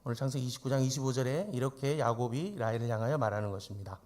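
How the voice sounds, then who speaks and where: A man's voice: mid-range voice, rapid-fire, a little mellow. A male pastor preaching an emphatic sermon in church, often turning to the congregation with rhetorical questions.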